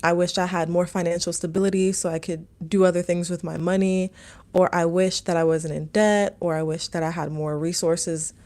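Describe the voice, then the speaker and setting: A young woman from Maryland, USA, hosts a casual livestream as a meditation teacher, rambling through viewer comments with plenty of "like" and "um." Her voice is mellow and fairly low, with little pitch movement, at a normal speed.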